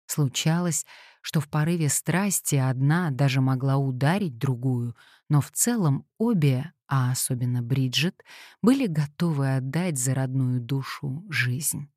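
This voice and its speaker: A woman with a low, mellow voice reads a classic story aloud at a measured pace. Her delivery is even and composed, and the recording is close and dry. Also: no echo. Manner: measured, even literary reading. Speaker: audiobook reader. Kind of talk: scripted audiobook narration.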